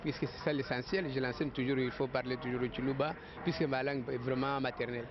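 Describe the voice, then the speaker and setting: A man's voice: mid-range voice, steady tone, quick pace, noisy background. A man, a father, speaking plainly about home life in a street interview. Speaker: parent interviewee. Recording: dull lo-fi street recording with crowd.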